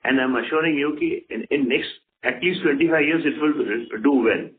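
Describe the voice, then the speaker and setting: A man with an Indian accent answering investor questions as a company executive, repeating words and phrasing things haltingly. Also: on the high side, slight background noise. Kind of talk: unscripted investor conference call answers. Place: telephone conference call. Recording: phone-like conference call audio.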